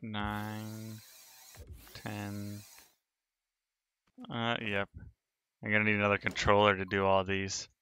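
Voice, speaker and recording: Slow, bright-voiced male streamer. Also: on the low side, completely flat delivery, slight background noise. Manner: thinks aloud while working, narrating each step. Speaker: streamer building in a sandbox game. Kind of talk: casual live-stream commentary.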